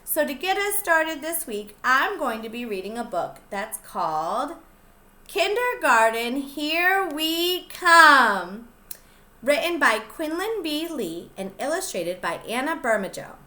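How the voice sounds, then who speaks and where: एक प्री-के शिक्षिका, बच्चों को कहानी पढ़ती हुई, धीमी और बहुत उतार-चढ़ाव वाली आवाज़।. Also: female voice, sits high. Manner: sing-song, slow and expressive, addressing young children. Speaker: pre-K teacher. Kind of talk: children's read-aloud.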